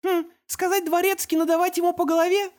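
A man voicing a cheerful, simple-minded toddler boy in a squeaky, eager, drawn-out way. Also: level tone.

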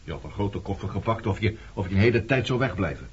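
Muffled radio drama role: male actor as stern ex-lover, lowish voice, blunt and probing. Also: lively intonation, fast, lightly acted. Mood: insistent. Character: stern, reproachful man confronting his former lover. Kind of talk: Dutch radio play acting. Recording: muffled, noisy old radio recording.

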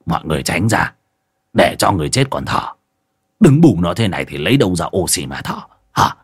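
A man voicing a gruff old male sorcerer who scolds and warns in a low, grim tone. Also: big pitch swings, fairly quick, no echo, studio quality, heavily acted. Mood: bossy.

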